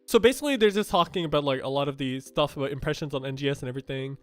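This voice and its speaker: Streamer casting: young man from Thailand, Thai and Japanese native, fairly high voice, blunt chatty gaming commentary, faint music under it. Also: racing, fairly bright tone. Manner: chatty and blunt, with frequent fillers and restarts. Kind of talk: casual game news reaction commentary.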